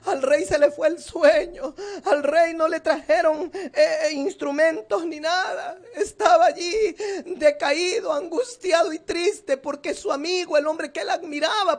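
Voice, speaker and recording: A woman preaching a fervent sermon while seated, her voice often tearful and at times rising into loud cries. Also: high voice. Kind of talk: emotional sermon. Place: seated indoors.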